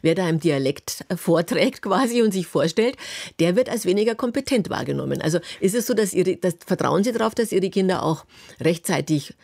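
A woman's voice: on the low side, animated, fairly quick, creaky, darkish tone, dry recording, clean studio sound. A woman hosting a radio call-in, listening attentively and affirming callers with short murmurs. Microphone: studio microphone.

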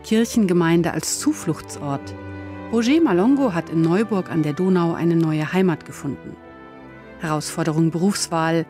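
Woman, radio presenter, formal measured announcing, faint music underneath. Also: on the low side, dark tone.

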